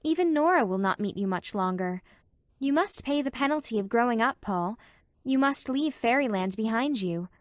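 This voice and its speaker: A woman voicing a gentle, fanciful young woman teacher in an audiobook. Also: fairly high pitch, expressive, normal speed, no echo, clean studio sound, natural voice. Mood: wistful. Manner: gentle, fanciful, softly wistful.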